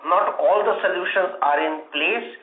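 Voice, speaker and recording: A male executive heard over a roomy, narrow phone line, his voice slightly high. He answers questions off the cuff in a measured, halting way, pausing often as he qualifies his points. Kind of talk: unscripted earnings call answers. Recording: roomy, band-limited conference phone line.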